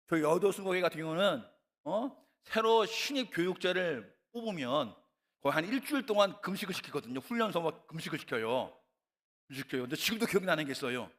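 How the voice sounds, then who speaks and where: A man delivers a sermon with a high, bright voice that leaps up and down as he tells his story. He peppers the congregation with rhetorical questions in an animated way. The sound carries the long reverb of a large church hall. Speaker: preacher.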